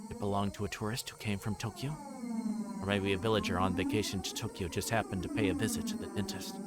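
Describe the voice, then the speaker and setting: A man reading visual novel narration aloud on a livestream, sometimes stumbling and rereading words. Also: low-pitched. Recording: clearly noisy background.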